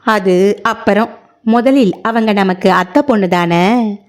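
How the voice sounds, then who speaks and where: A cheeky younger brother from a read-aloud story, bantering and teasing, voiced by a woman narrator. He speaks in a light, joking way at a slow pace. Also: mid-range voice, lightly acted.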